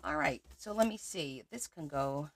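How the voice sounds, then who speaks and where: Woman doing a craft livestream, lowish voice, chatty, talks through every step and answers chat. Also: animated, normal speed. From Portugal. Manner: chatty, thinks aloud while working, answers viewer comments.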